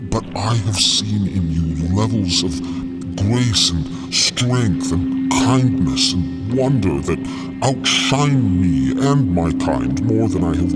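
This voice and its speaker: A man playing a solemn, remorseful cosmic being of light in an audio drama, speaking formally and earnestly with weighty pauses. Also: sits low, full character voice. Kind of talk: scripted audio drama dialogue.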